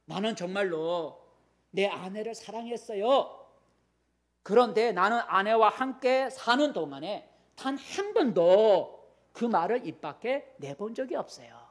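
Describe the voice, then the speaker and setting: A man's voice: high-pitched, big pitch swings, a little slow, pitched above the performer's own voice. A man voicing a grieving old widower. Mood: regretful. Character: grieving 76-year-old widower full of regret.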